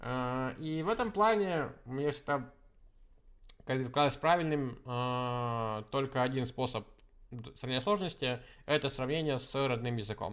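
In a very clean recording with a silent background, a man at medium pitch speaks at a very slow pace. He leaves long, frequent pauses, and his loudness swings widely. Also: ordinary pitch variation. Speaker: podcast host, language learner. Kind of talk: casual chat.

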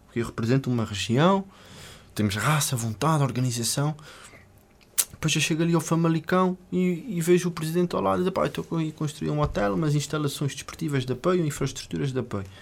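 Lively intonation marks this man's fairly high voice as he speaks at a fairly quick pace in a very clean recording with a silent background. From Azores, Portugal. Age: 30s. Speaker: lawyer and football club president. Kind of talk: casual interview. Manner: animated; halting.

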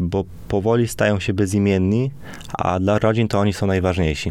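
Noticeable background noise sits behind a man with a fairly low pitch. He keeps a moderate pace and fairly even intonation. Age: 20s. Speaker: journalist. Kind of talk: interview.

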